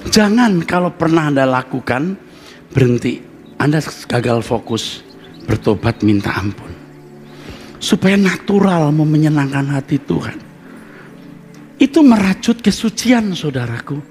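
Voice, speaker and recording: Animated male preacher with lively pitch. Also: measured pace, long pauses, faint music behind. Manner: animated, swinging between hushed asides and loud emphatic bursts; jokes with and teases the congregation. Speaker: pastor. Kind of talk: live sermon. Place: church service with live congregation.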